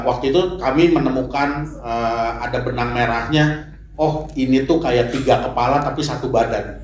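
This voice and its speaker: A man explaining his team's creative process at a press conference, halting with many fillers, in an echoey hall. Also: mid-range voice. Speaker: animation director. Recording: echoey hall, faint ambience.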